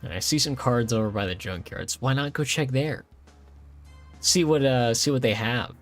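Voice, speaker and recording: A man's voice: medium pitch, normal speed, fairly bright tone. A man streaming a video game, talking through his moves in a playful, chatty way and thinking aloud. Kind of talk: casual let's-play commentary. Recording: faint game music behind.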